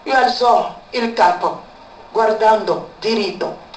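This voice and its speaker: A woman's voice: mid-range voice, slow. Woman sharing a personal testimony, emphatic repetition; faint noise behind, reverberant space. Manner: repeats words for emphasis. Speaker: speaker giving a testimony. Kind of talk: emotional spoken testimony. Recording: echoey room, far from mic, faint background noise.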